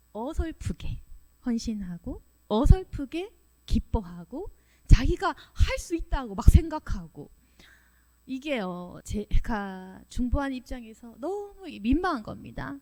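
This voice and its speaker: A woman's voice: high voice, very animated, slow, a little mellow. A woman preaching at a Friday prayer meeting, emphatic and full of rhetorical questions, acting out the voices she quotes.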